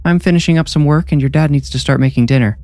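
A man's voice: on the high side, fast, a little mellow, no room sound, voice pushed up, lightly acted. A man voicing a polite, strained mother in a storybook, placating and forcedly pleasant.

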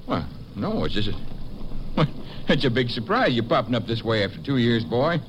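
An actor playing an evasive Texas rancher in a 1950s radio western, with a folksy, halting American Western accent. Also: male voice, medium pitch, very animated, natural voice. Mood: uneasy surprise. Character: Texas rancher, evasive older half-brother. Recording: noisy old radio drama recording.

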